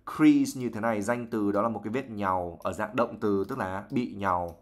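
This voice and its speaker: A man's voice: on the low side, normal speed. Vietnamese man explaining English vocabulary. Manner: reads passages, then explains words at length. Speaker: English teacher. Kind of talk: live-stream vocabulary lesson reading a novel aloud.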